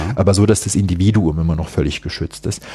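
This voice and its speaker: A man with a very deep, low pitch speaks very fast and with fairly even intonation amid noticeable background noise. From Saarland. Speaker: research institute director. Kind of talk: interview.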